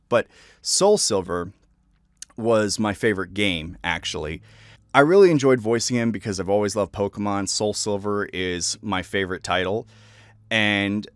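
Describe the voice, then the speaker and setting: A man's voice: low-pitched, clear, resonant tone, dry recording. A young adult man, a voice actor, talking casually and reflectively about his work. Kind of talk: casual reflective commentary on own roles.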